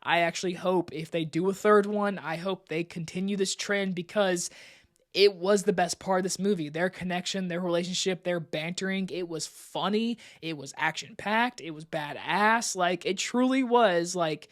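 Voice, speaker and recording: A woman reviews a movie casually, her lowish voice congested and stuffy because of allergies. She talks at a moderate pace, chatty and rambling, filling her speech with many "like"s.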